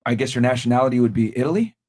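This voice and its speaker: A man's voice: mid-range voice, very fast, a little mellow. A man hosting a podcast panel, questioning guests bluntly with many restarts. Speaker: podcast host. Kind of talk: casual panel interview.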